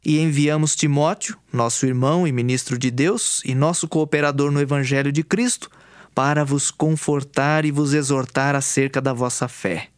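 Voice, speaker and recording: A man's voice: fairly high pitch, moderate pace, clear, resonant tone, no echo, studio quality. A man with a Brazilian accent reading scripture from a script for an audio Bible, in an earnest, declamatory way. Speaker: scripture reader. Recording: music under the voice. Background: background music.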